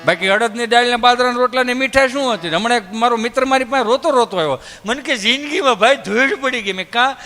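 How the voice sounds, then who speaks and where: A man's voice: very high voice, quick pace, hardly any pauses, pushed and bright, big-room sound, soft background music. A man, telling folk comedy stories on stage and acting out village characters in changing voices. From Gujarat, India.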